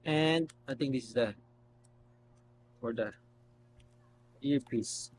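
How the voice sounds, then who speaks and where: A man hosting a casual unboxing video, talking haltingly as he thinks aloud while handling things. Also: mid-range voice, a little hiss or hum. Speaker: video host.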